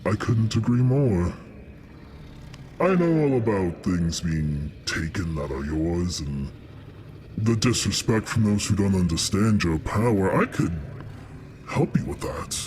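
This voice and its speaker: A man's voice: low-pitched, a little slow, darkish tone, slight background noise. A man voicing a proud, sly young black dragon in a tabletop game, drawling with scorn for mortals as he bargains. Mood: sly, bargaining.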